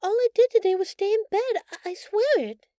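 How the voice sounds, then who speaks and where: A woman voicing a shapeshifted alien posing as a sweet, anxious human girlfriend in an intimate audio roleplay, speaking softly and haltingly. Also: extremely high pitch, dry recording, studio quality. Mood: nervous, defensive. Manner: soft, halting, pleading, stammering. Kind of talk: audio roleplay acting, intimate address to listener.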